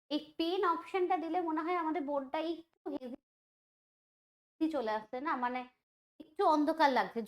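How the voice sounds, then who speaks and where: A woman teaching an online quiz lesson, chatty and thinking aloud, often asking the students questions. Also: high-pitched. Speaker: exam prep teacher.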